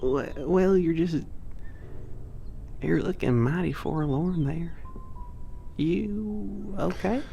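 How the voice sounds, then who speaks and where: A man's voice: a little high, slow, creaky, long pauses, mellow, faint music behind. A man voicing a shy, friendly young giant who speaks with a drawl, rambles nervously with folksy slang, fillers and little laughs. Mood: concerned. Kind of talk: audio drama roleplay.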